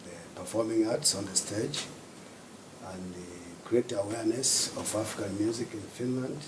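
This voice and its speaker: A man from Tanzania, speaking unhurriedly as a panelist at a symposium and pausing often to find his words. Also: lowish voice, steady tone. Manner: unhurried, searching for words with many pauses. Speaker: panelist, festival director. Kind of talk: panel discussion talk. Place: symposium hall. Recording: roomy hall with background noise.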